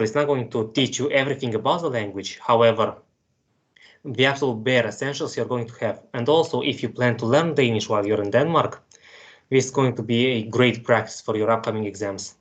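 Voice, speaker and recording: A man in his twenties from Moldova, steadily reading a prepared presentation with practical tips. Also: medium pitch. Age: 20s. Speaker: student presenter. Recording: dull lo-fi sound.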